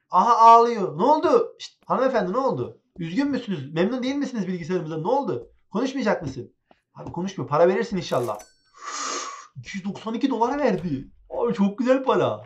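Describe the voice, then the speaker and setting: A man chatting excitably as he plays a game, talking to his viewers and to the game characters. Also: high voice. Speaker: gaming channel host. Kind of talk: casual let's-play commentary.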